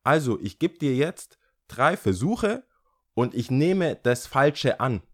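A man's voice: mid-range voice, takes it slowly. Opinionated man in casual chat. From Ghana. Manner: opinionated, animated storytelling with acted-out quotes.

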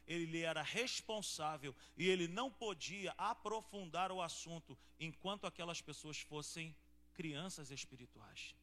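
A man's voice: on the high side, sharp tone. A man pastor with a Brazilian Portuguese accent, preaching a sermon to a church congregation and asking them questions. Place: church service before a congregation.

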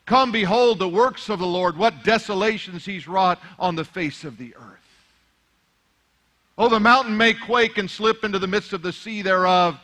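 Bright-voiced pastor, Arabic native speaker. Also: male voice, sits high, normal speed. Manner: conversational, building to fervent preaching. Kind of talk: sermon.

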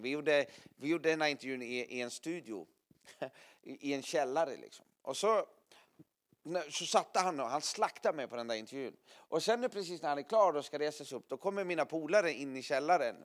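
Animated male preacher, smooth higher voice. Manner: animated, vivid, makes sound effects and laughs often. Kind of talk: sermon with lively storytelling.

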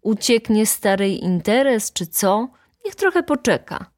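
A woman's voice: mid-range voice, sing-song, unhurried, darkish tone, no room sound, studio quality, voice pushed up. Woman doing a bossy stuck-up male servant, snooty and commanding, audiobook style. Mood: haughty. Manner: haughty, commanding. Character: insolent pompous male valet, bossy.

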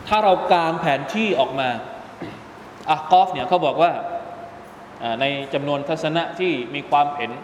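A man's voice: a little high, lively intonation, normal speed, long pauses. Man teaching in an echoey mosque hall. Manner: explains pronunciation step by step and quizzes listeners. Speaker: Quran commentary teacher. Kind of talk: religious lesson to a class. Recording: echoey hall with long reverb, faint background noise.

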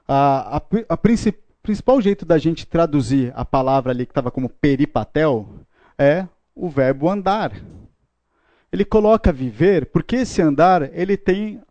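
Playful teacher, mellow voice. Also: male voice, fairly high pitch, lively intonation, normal speed, dry recording, muffled recording. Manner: playful, joking with the class. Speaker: Bible teacher. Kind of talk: classroom lecture. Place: classroom with a live audience.

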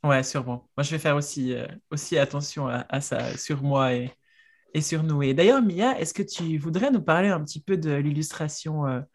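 A woman's voice: sits low, normal speed, darkish tone. A woman co-hosting a casual podcast, effusive and hesitant, restarting her sentences often. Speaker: podcast co-host.

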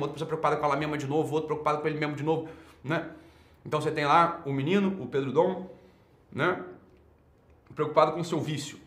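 A man's voice: on the high side, a bit bright, reverberant. A man with a Brazilian Portuguese accent hosting a livestream talk, answering chat and hammering points home by repeating words. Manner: emphatic, repeats key words. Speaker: online talk host.

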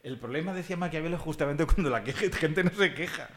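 A man from Catalonia, speaking as a panelist in a conversational academic discussion. He is lively and discursive, often tags his points with questions and chuckles. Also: fairly high pitch, fast talker. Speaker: panelist at a book presentation.

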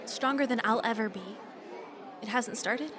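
A woman's voice: a little high, a little slow, fairly bright tone, a faint crowd, a little hiss or hum. A woman playing a determined, confrontational heroine in an audio drama, blunt and challenging. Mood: urgent. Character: determined, confrontational young woman taking on powerful man.

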